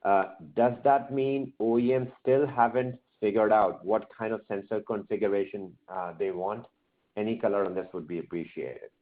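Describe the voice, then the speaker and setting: Male moderator reading out investor questions, slightly low voice, narrow phone-quality sound. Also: normal speed. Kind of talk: reading questions aloud on an investor conference call. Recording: thin, phone-like conference line.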